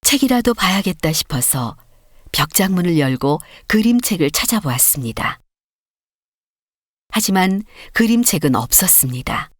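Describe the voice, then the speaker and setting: A woman reading a storybook as an audiobook narrator, with expressive, clearly paced scripted delivery. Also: lowish voice, moderate pace, no room sound, clean studio sound.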